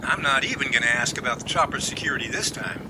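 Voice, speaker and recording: A man's voice: mid-range voice, fast, lightly acted. A man playing an incredulous, wisecracking helicopter crewman with exaggerated disbelief in an amateur audio drama. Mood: wry. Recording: noisy radio-drama track with aircraft-like ambience.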